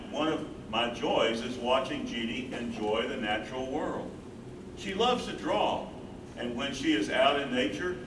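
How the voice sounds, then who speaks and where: A man's voice: medium pitch, lightly acted. A man playing a tender, devoted older husband caring for his wife in a staged reading of a play. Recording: roomy distant stage mic, loud noise.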